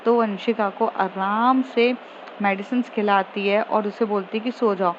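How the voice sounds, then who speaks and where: A woman's voice: mid-range voice, steady tone, measured pace. A woman narrating a love story in a casual, chatty way, often restarting her sentences. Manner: chatty, with many fillers and restarts. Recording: slightly muffled, faint hiss.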